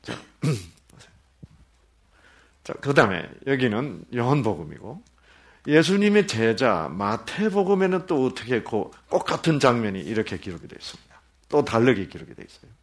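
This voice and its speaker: Animated pastor teaching scripture. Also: male voice, mid-range voice, moderate pace. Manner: animated, asks the congregation questions and answers them himself; drops to a whisper at times. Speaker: pastor teaching Bible study. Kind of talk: sermon-style Bible lesson.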